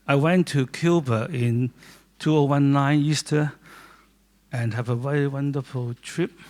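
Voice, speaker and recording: A man with a Hong Kong accent, a native Cantonese speaker, giving a halting informal talk in English about his photo book to a small audience in a gallery. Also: medium pitch, a little mellow. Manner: halting, with many restarts and pauses. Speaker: guest speaker, doctor and photographer.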